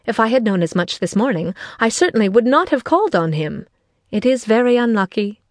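A woman voicing a sarcastic middle-aged gentleman and father in an audiobook, dry, measured and mock-solemn. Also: on the high side, big pitch swings, dry recording. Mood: smugly teasing.

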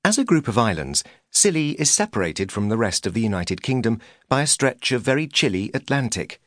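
A man's voice: mid-range voice, big pitch swings, fairly quick, a bit bright, no room sound. A man reading a humorous memoir as an audiobook narrator, with a dry, wry delivery.

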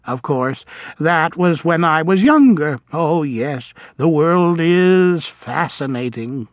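A man's voice: on the high side, animated, takes it slowly, no room sound. Man doing a fussy, flustered old vole. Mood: wistful. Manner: flustered, polite, old-fashioned phrasing. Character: elderly nearsighted male vole, fussy and apologetic. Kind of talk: audiobook character voice.

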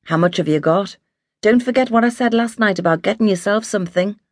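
A woman's voice: medium pitch, a little fast, no room sound, voice pushed up, natural voice. A cranky, stubborn older woman who refuses to give in to feeling ill, as a woman reading a story puts her on. She speaks with a short, grumbling edge. The sound is close and dry. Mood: cross, weary. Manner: cross, stubborn.

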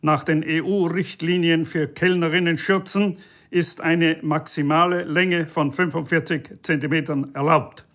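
A man reading an audiobook and voicing a pompous, shouting male EU police officer who barks orders in a raised, high voice. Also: fairly even intonation, unhurried. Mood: barking, officious. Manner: bellowing, officious, self-important.

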